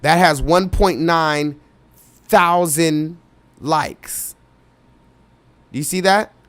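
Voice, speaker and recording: With a slightly high, fairly bright voice, he draws out his words in a dry recording. He's a live reaction streamer reading comments aloud, pushing his chat urgently and repeating the same remarks while talking straight to them.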